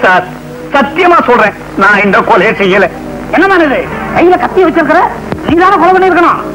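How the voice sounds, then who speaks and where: A bragging, bumbling self-made detective who speaks in a very high, lively voice. He slips into slow, grand English phrases. Film music plays behind him. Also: poor audio. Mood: pleading. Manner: mixes Tamil with slow, pompous English. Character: boastful, bumbling man who calls himself a London detective. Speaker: visitor from abroad wrongly accused of murder. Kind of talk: film comedy acting.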